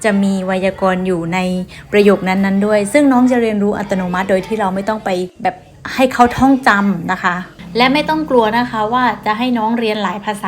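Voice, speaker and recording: A woman chatting patiently and politely to her viewers from a car. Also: mid-range voice. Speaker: vlogger. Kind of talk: casual chat to camera.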